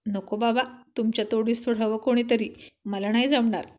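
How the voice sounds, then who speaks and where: A woman voicing a shy but quick-witted young wife who banters playfully with her husband. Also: a little high, fairly even intonation, a little mellow, natural voice. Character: shy, witty young wife, easily flustered.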